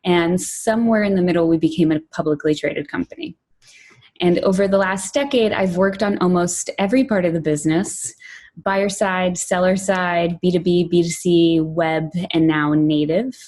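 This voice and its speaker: A woman from Poland, raised in New York, giving a prepared conference talk as a product director, measured and clear, with lists and emphasis. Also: on the low side, steady tone, a little mellow. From Poland, raised in New York City.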